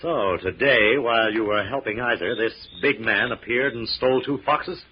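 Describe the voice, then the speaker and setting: An actor playing a tough, level-headed investigator with a brisk manner in an old radio thriller. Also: male voice, medium pitch, natural voice. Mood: stern, skeptical. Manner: brisk, questioning, no-nonsense. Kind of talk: 1940s radio thriller acting. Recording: muffled, noisy old radio recording.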